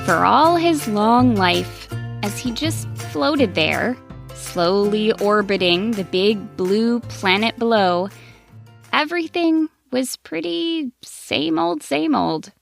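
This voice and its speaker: A woman storyteller narrating a children's bedtime story expressively, in deliberate short phrases with dramatic pauses. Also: a little high, expressive, vocal fry. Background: music.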